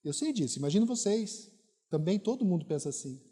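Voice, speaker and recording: Brazilian pastor preaching in a reverberant hall. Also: male voice, sits high, sing-song, fairly quick, mellow, husky. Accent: Brazilian Portuguese. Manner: emphatic, repetitive rhetorical preaching. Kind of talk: sermon. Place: church hall.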